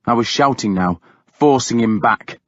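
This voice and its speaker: A man narrating a novel in the first person with a dramatic, deliberate delivery. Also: medium pitch, dry recording, highs cut off. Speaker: audiobook narrator.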